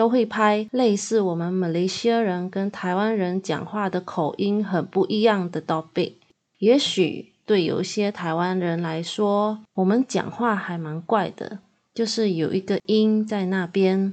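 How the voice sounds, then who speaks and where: At a medium pitch, a woman talks at a fairly slow pace. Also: quiet background. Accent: Malaysian. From Malaysia. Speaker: podcast host. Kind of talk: casual solo chat.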